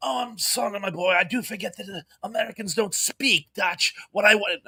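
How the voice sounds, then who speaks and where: In a put-on character voice with an English accent, a man speaks high-pitched with lively intonation and big swings in loudness at a moderate pace, in a dry, close sound with no echo. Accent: pronounced English. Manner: polite, apologetic.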